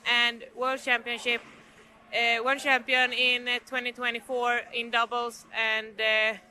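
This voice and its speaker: A young female athlete from Sweden lists her titles. Her voice is very bright and slightly high. She speaks on a flat line. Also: unhurried, clear, resonant tone. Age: 20s. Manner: listing achievements, fillers. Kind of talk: recorded self-introduction.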